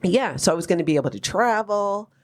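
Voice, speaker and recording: Woman from hawaii in her 50s, podcast host telling her life story, candid and wry, lots of asides, middle pitch. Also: lively intonation, brisk. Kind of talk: personal storytelling chat.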